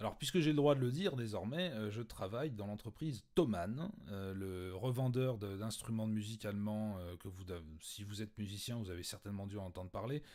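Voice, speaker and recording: A man speaking at a moderate pace. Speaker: audiobook narrator and streamer. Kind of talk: live stream chat with viewers. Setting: live stream at home. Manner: hesitant, many fillers.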